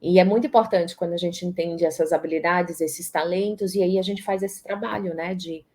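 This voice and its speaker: Expressive Bahian woman, low voice. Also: fairly quick. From Brazil, Salvador, Bahia. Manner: expressive, restarts and repeats words. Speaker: guest, systemic positioning strategist. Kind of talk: casual interview talk.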